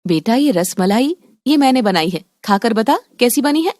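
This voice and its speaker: A woman's voice: a little high, lively intonation, normal speed, darkish tone, no echo, clean studio sound, lightly acted. Brief: jealous cartoon mother, woman voice, taunting and sulky. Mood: reproachful. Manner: taunting, reproachful.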